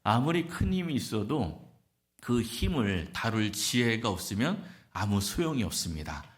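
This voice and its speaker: A man voicing an old male teacher who is wise, proud and quick-tempered, scoffing and then bellowing orders. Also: on the low side, big pitch swings. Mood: solemn.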